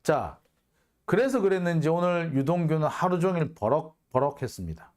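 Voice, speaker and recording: A man's voice: a little high, animated, moderate pace, darkish tone. A middle-aged man hosting a courtroom news commentary, emphatic and fond of rhetorical questions with chuckling asides. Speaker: YouTube commentary host.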